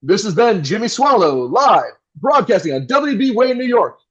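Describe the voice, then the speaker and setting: An actor playing a polished, wry and nervous live radio host in an audio play, with a theatrical announcer delivery. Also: male voice, high voice, sing-song, moderate pace, fairly bright tone, husky, lo-fi sound, full character voice. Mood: showy announcing. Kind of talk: old-time radio play acting.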